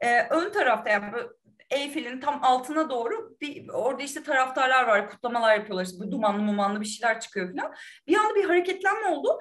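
A woman's high-pitched voice at a fairly quick pace, full of very wide pitch swings. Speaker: theatre actor. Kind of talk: casual chat.

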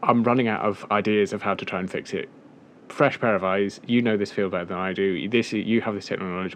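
Fairly low in pitch, a man talks fairly quickly with fairly even intonation in an unremarkable speaking voice. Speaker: podcast host. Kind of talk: casual chat.

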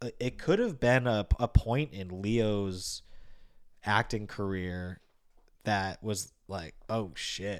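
On a very clean recording with a silent background, a man with an American accent speaks very slowly in a fairly low pitch with ordinary pitch variation. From Massachusetts, US. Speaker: film podcast co-host. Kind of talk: casual chat.

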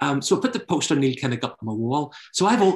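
Speaking at a fairly quick pace, a man talks in a Northern Irish accent. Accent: Northern Irish (Belfast). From Northern Ireland, outskirts of Belfast. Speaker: university lecturer. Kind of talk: panel discussion.

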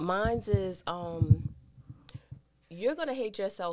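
In an American accent, a woman speaks at a moderate pace with very wide pitch swings. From Boston, Massachusetts.

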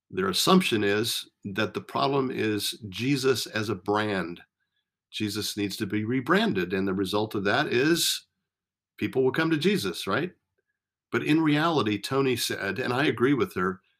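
The recording is very clean, the background silent. A man speaks at a moderate pace with lively intonation. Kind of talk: solo podcast monologue. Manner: sarcastic at times.

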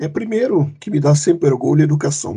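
A man's voice sounds somewhat breathy, with a dark, mellow tone. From Cape Verde. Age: 40s. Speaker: business executive. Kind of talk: interview.

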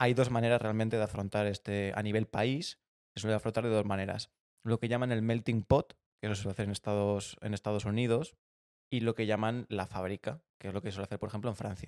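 Recorded very cleanly against a silent background, with a dry, close sound and no echo, a man with a Castilian accent talks at a fairly quick pace in a fairly low pitch and fairly even intonation. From Spain. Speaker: podcast co-host. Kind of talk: casual chat.

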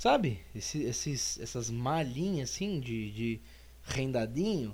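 Somewhat breathy, a man speaks at a medium pitch with very wide pitch swings. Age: 30s. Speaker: podcast host. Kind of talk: casual monologue. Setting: live stream. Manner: rambling, self-interrupting.

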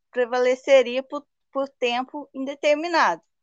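Very slow speech with fairly even intonation, dry and close with no echo, over a quiet background. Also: woman. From Juiz de Fora, Minas Gerais, Brazil. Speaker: sign language interpreter. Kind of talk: religious study discussion. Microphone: unstable internet connection.

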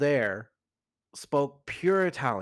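The recording is very clean and the background silent. A man talks at a fairly high pitch. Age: 30s. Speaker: solo podcaster. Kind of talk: casual monologue.

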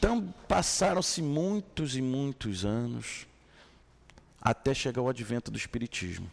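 A man's medium-pitched voice with very wide pitch swings, dry and close with no echo, on a very clean recording with a silent background. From Baixada Fluminense, Rio de Janeiro. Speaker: spiritist lecturer. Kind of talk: lecture. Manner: casual, conversational.

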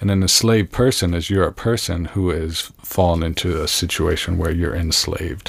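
A man with an American accent and a very deep, low pitch talks at a moderate pace with ordinary pitch variation and hardly any pauses, over noticeable background noise. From Connecticut (Greenwich). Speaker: meditation teacher. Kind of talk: casual interview. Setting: vintage pop-up camper on a farm.

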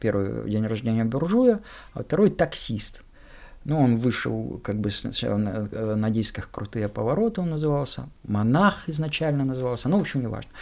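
Lively intonation carries an ordinary speaking voice at a moderate pace. The recording is very clean, with a silent background. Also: man. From Shakhty, Rostov region, southern Russia. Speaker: film director, former circus clown and actor. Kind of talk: interview.

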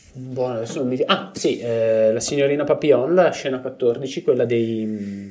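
A man with an ordinary speaking voice talks with ordinary pitch variation and hardly any pauses. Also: medium pitch for a man, fairly slow pace. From northern Italy, Brescia. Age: 40s. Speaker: actor. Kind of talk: casual chat.

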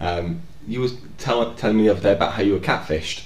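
Amid noticeable background noise, a man with a British accent talks at a very fast pace and a fairly low pitch. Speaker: podcast host. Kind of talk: casual banter.

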